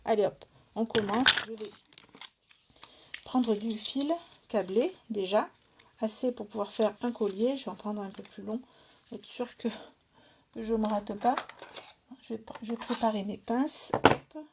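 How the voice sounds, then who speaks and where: A woman's voice: a little high, fairly even intonation, unhurried, long pauses, heavy background noise. A middle-aged woman from France giving a casual live jewelry-making tutorial, chatty and thinking aloud, often checking in with her viewers. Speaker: jewelry maker selling her work.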